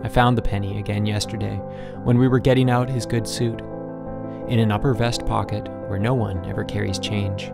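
Gravelly low-voiced male audiobook narrator. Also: fairly even intonation, fairly quick, over music. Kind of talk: scripted literary narration.

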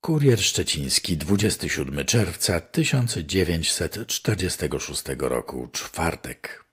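An older man with a deep, low-pitched voice that is slightly husky. He reads old newspaper articles aloud in a formal, measured and declamatory way. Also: sing-song. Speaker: newspaper reader.

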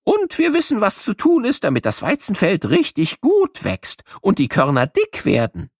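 A man's voice: high voice, wildly swooping pitch, normal speed, dry recording, clean studio sound, voice pushed up, exaggerated voice. A man voicing an old scientist who chattily explains things to children in an audio play, musing and humming to himself. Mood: musing, explaining. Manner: chatty, musing, with little hums and questions.

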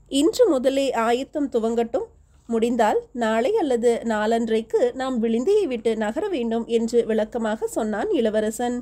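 Mellow woman narrating an audiobook. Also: a little high. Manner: reads every character's lines in her own steady voice. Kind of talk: scripted narration of a historical novel.

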